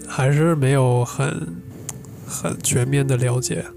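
A man's voice: medium pitch, fairly even intonation, unhurried, vocal fry, over music. A man who is an English speaker speaks in casual co-host chat, searching for words and mixing in English. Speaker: podcast co-host. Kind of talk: casual chat in learner's Mandarin.

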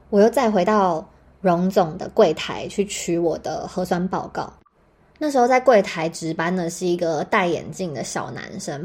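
A young woman with a Taiwanese Mandarin accent, hosting a podcast and telling a personal story in an animated, dramatic way with casual swearing. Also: fairly low pitch, slightly rough. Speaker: podcast host.

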